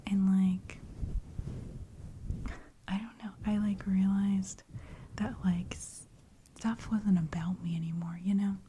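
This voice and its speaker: A woman in her thirties giving a soft, encouraging whispered ramble for ASMR, full of "like" fillers, close on the mic. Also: medium pitch, flat delivery, slow pace, pauses often, a little hiss or hum. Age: 30s. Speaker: ASMR creator. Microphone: close studio mic with brushing.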